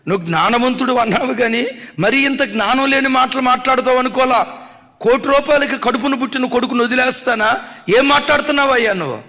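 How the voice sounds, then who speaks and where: A man voicing an indignant young mother who protests sharply and quickly as he tells a story in a sermon. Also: extremely high pitch, bright, forceful tone, big-room sound, pitched above the performer's own voice, heavily acted. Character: indignant young mother refusing to give up her baby.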